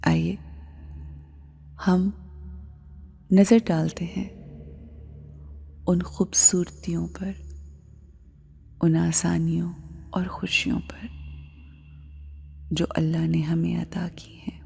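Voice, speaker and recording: A woman with a South Asian accent leads a guided meditation in a measured, hushed way, phrases trailing into a breathy near-whisper. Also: fairly low pitch, level tone. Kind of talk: slow, soft Islamic guided meditation. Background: music bed.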